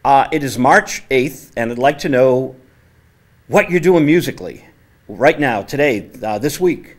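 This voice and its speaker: A man hosting a casual studio interview, speaking with a naturally loud, conversational voice into a microphone set on the table. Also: mid-range voice, expressive, a little slow. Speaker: host. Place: community access TV studio.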